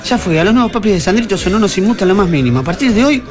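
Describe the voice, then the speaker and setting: A man's voice: high-pitched, very animated, racing. A man playing an earnest, stammering young first-time father in a comic radio play. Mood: eager, resolute. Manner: stammering, flustered, repeats words. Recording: music behind the voice.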